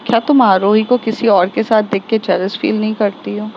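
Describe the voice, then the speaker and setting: A woman's voice: mid-range voice, steady tone, moderate pace, darkish tone, lo-fi sound, slight background noise, natural voice. A woman doing a protective young best friend. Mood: concerned. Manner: soothing, then bossy and protective.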